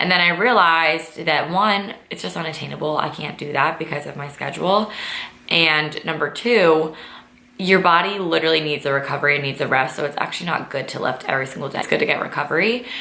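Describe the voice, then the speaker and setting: A woman talks at a very fast pace in an animated tone, her pitch very deep and low. Noticeable background noise and audible room echo surround her voice. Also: ordinary pitch variation. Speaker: lifestyle and fitness vlogger. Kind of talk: casual vlog talk to camera.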